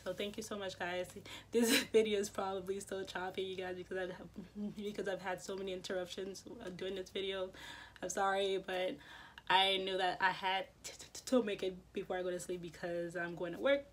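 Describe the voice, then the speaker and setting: A woman's voice: medium pitch, level tone, normal speed, a little hiss or hum. A woman vlogger who stutters, repeating sounds and words, talking casually to camera with many fillers. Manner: many fillers, soft-spoken.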